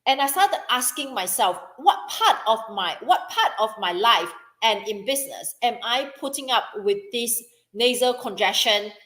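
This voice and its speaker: A woman's voice: on the high side, expressive, moderate pace, hardly any pauses, a bit bright. A middle-aged woman telling a personal story in a chatty way, repeating herself and acting out what others said, as a business coach drawing a lesson from it. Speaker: business coach and podcast host. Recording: echoey room.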